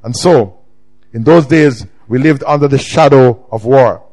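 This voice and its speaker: A middle-aged man with a Jamaican accent, preaching a sermon with emphatic swings in pitch and loudness. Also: measured pace. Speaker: pastor.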